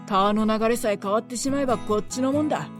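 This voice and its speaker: A woman voicing a rough, greedy village man who talks coarsely. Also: fairly high pitch, fast talker, music in the background, lightly acted. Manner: coarse, excited.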